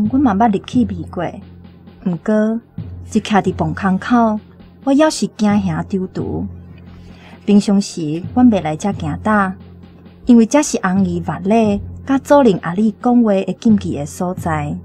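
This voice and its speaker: A woman's voice: mid-range voice, a little slow, dark tone, lightly acted. Young tribal woman, female actor, Taiwanese accent, anxious and earnest dramatic delivery, faint music behind, radio play. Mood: uneasy. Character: anxious young tribal woman, the chief's daughter, recounting memories. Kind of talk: radio drama acting with first-person narration.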